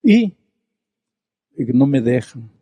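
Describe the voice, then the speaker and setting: A male preacher voicing a broken, grieving middle-aged man who speaks in a quiet, halting, mournful way. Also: medium pitch, sing-song, husky, no room sound, full character voice.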